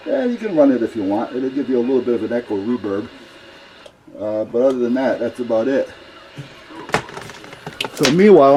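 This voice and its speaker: A man's voice: medium pitch, dark tone. Casual man rambling, noisy recording. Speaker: CB radio hobbyist presenting a demonstration. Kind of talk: casual hands-on demonstration talk. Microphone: camera mic about a foot away. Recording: clear background noise, radio sounds.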